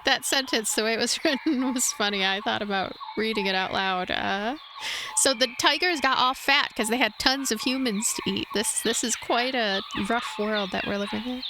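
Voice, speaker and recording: A woman's voice: a little high, normal speed, noisy background. A woman streaming a game, reading its narration aloud with informal, conversational commentary. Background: game music.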